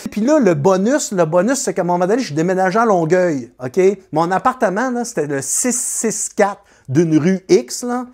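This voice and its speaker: A man's voice: high-pitched, moderate pace, hardly any pauses. A man with a Quebec French accent telling a comic anecdote about his neighbors. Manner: lively, animated, many fillers. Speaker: storyteller.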